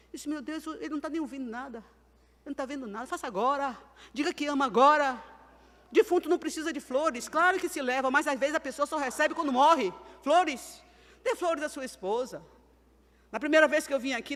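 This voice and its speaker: An older woman preaching a sermon, telling homely stories in a chatty way and swinging between loud and quiet. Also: a little high, in a large hall. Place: church.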